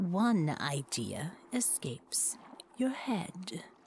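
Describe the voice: The intonation moves in a lively way. It is plain reading aloud.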